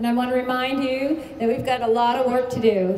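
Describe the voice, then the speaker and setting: A woman with a high voice talks at a moderate pace. Light background noise and audible room echo are present. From Maine. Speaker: rally organizer and emcee; emcee. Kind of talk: rally speech. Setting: outdoor rally. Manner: enthusiastic. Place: street.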